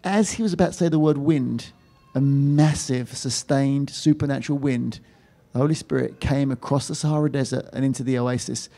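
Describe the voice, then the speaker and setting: Mellow-voiced man, emphatic producer. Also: mid-range voice, normal speed. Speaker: film producer. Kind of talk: panel answer.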